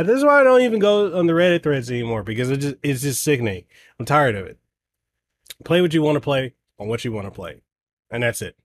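A man's voice: medium pitch, a little hiss or hum. A man hosting a gaming podcast, ranting bluntly and heatedly, with plenty of swearing. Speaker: podcast host. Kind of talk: ranting solo podcast talk.

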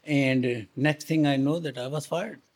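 A man's voice: a little high, fairly even intonation, normal speed. A man in his seventies whose first language is Hindi, speaking earnestly in an interview, with hesitant fillers. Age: 70s.

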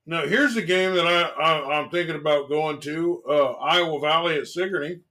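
Guy on a sports talk show, kinda higher voice, lots of uh and um, easygoing. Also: moderate pace, a little hiss or hum. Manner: relaxed, lots of fillers and restarts. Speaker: sports radio host.

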